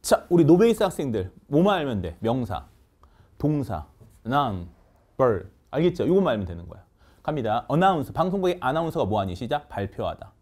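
In an online lecture, a middle-aged man with a mid-range voice teaches English vocabulary, peppering students with rapid questions in an energetic, coaxing way.

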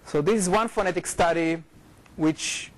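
High-pitched Israeli man giving a lecture. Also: low-quality recording. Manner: informal, halting, frequent repetitions and self-corrections. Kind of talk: academic talk with slides. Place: lecture room, indoors.

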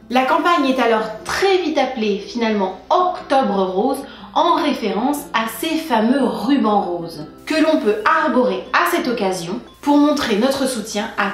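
A young woman hosting a breastfeeding channel, explaining a topic in an informative vlog with playful asides. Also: on the high side. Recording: echoey room with faint music.

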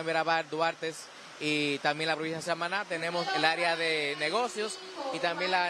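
A young Dominican man at an expo fair stand, rattling off prices and plans into a handheld mic. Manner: quick sales pitch listing prices. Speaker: company representative. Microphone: interviewer's handheld mic. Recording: noisy fair hall.

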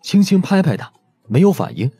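Mellow male storyteller with animated pitch. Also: brisk, husky, faint music behind. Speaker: audiobook narrator. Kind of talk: scripted audiobook narration of a mystery novel.

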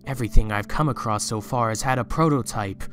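A man's voice: medium pitch, brisk, a bit bright, soft background music, lightly acted. A man acting a guarded, proud young male CEO in an audio drama, with a terse, controlled delivery. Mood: disgusted.

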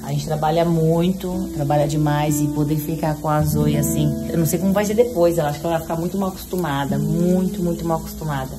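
A woman's voice: low-pitched, steady tone, quick pace, few pauses, loud music behind the voice. A woman in her forties from Brazil, hosting a casual home vlog, talking to the camera while filming on a phone at arm's length in her apartment kitchen. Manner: chatty, talks to camera and to her toddler. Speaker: vlog host. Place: apartment kitchen and living room.

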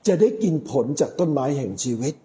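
Mellow-voiced Thai priest preaching. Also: male voice, on the high side, very animated. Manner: measured, with frequent pauses. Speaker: Catholic priest. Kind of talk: sermon.

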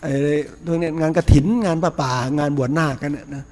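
A man's voice: a little high, steady tone, a little fast, darkish tone, big-room sound. A man, a Buddhist monk, giving a casual, folksy sermon with rhetorical questions and chuckles. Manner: folksy, chatty, with frequent laughs and rhetorical questions. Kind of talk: casual sermon before a meal. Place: temple hall.

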